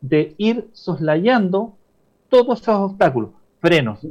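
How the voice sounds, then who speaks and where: Lively intonation from a man, at a fairly slow pace. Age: 50s. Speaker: entrepreneurship consultant. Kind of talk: interview. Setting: remote online interview.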